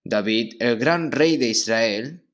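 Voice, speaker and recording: A man preaching a sermon as pastor in a church, in a measured delivery that keeps checking in with his listeners through short questioning tags. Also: medium pitch, fairly bright tone.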